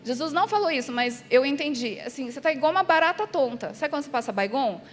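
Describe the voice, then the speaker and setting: A Brazilian woman pastor preaching a sermon and telling a personal story, animated and acting out the scenes and dialogue as she goes. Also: high voice, fast. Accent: Brazilian Portuguese. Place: large church hall. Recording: music under a long hall reverb.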